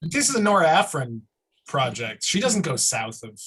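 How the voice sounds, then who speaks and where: A woman's voice: low-pitched, very animated, moderate pace, noisy background. A middle-aged woman from New York chatting casually in a wry way. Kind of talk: casual chat. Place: virtual call from home.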